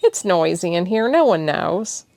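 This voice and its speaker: A careful young heir, read by a woman narrator who speaks in a soft, hushed, cautious way. The tone is lowish and gravelly, recorded dry and close. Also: very animated, a little slow, dry recording, full character voice. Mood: reassuring. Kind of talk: audiobook character voice.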